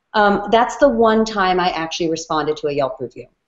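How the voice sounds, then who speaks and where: Enthusiastic in tone, a woman talks at a fairly quick pace. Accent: New York. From New York. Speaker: dog trainer. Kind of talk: interview. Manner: fast.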